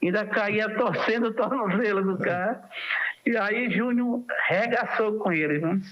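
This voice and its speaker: A man's voice: high voice, normal speed, muffled recording. A man in his sixties with a Northeastern Brazilian accent, a former footballer telling stories as a guest and acting out the dialogue. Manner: animated storyteller who acts out quoted dialogue. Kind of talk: casual storytelling interview.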